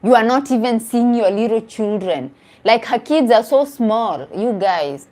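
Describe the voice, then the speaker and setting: A woman's voice: fairly high pitch, lively intonation, unhurried, mellow. This is a woman, speaking as a dating coach on a casual live stream. She talks earnestly to her viewers, reacts to their comments and often restarts or repeats a phrase to stress her point. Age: 40s.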